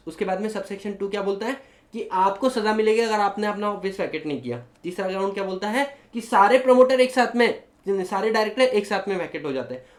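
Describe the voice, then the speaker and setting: A man with an Indian accent teaching law to a class, animated and switching between Hindi and English, often asking students if they follow. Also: sits high, echoey room. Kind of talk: classroom lecture.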